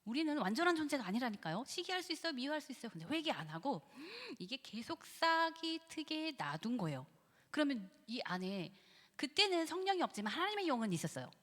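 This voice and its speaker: A woman's voice: high-pitched, brisk. A woman professor giving a church lecture on biblical psychology, acting out quoted voices and laughing often. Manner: lively and animated, acts out God and Satan in quoted voices, laughs often. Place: church sanctuary. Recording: echoey church hall.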